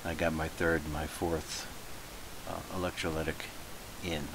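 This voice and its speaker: A man with a deep, low voice narrates a homemade how-to in an informal way. His delivery is halting, as he poses questions to himself and works through them aloud. A faint hiss runs under the home recording. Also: vocal fry, rough recording. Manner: halting, thinking aloud with self-posed questions. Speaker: hobbyist narrating own repair video. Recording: hissy home recording, steady noise.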